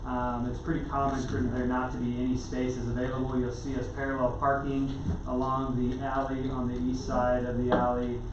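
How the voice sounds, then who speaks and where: Amid noticeable background noise and audible room echo, a man talks in monotone, flat intonation with hardly any pauses. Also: medium pitch for a man, fairly quick pace. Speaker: city manager. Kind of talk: council meeting staff report. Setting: city council chamber. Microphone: room audio issues.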